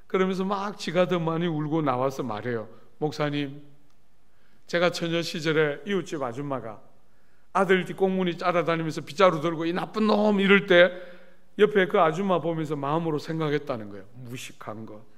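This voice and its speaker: A middle-aged man preaching at a church revival service, telling lively stories and often turning to the congregation with questions. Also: on the high side. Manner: animated storytelling with asides to the congregation. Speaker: pastor. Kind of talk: revival sermon. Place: church sanctuary.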